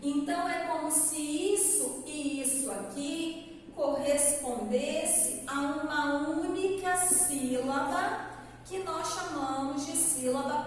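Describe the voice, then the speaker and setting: A woman teacher giving a lesson, explaining step by step, checking in with her students, and drawing out words in a sung tone. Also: high-pitched. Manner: calls out words in a stretched, sung tone. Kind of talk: recorded classroom lesson. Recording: echoey hall from far off, faint background noise.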